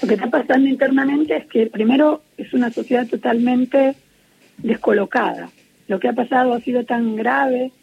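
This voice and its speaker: A middle-aged woman from Argentina with an Argentine Spanish accent, speaking as an interviewee in a phone interview, earnest and measured with many hesitations. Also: fairly high pitch, creaky, slight background noise. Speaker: interviewee, peace activist. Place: at home in Israel. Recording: muffled lo-fi phone line.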